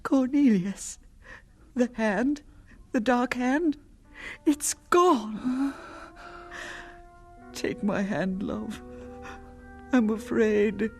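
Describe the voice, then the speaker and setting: A woman playing a gentle, fearful, ailing Gypsy wife and mother in an audio drama, speaking in a halting, anguished way. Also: on the high side, faint music behind. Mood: frail, wondering.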